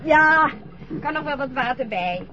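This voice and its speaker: An actress playing a brisk, chatty home carer with a bossy manner. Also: female voice, high-pitched, expressive, sharp tone, slight background noise, exaggerated voice. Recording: dull lo-fi radio play recording.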